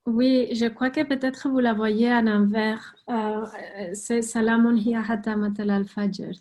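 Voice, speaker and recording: Woman calligrapher on a video call, kinda flat mellow voice, keeps restarting her words. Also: fairly high pitch. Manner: halting, repeats words while thinking. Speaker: guest calligrapher and teacher. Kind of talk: answering questions in an online talk.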